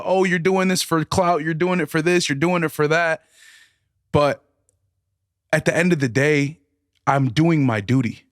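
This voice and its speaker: A man's voice: on the high side, dry recording, clean studio sound. A man from the United States, speaking passionately as a guest musician in a casual podcast conversation and stressing his key points. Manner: passionate, drawn-out emphasis, says "dog" and "man".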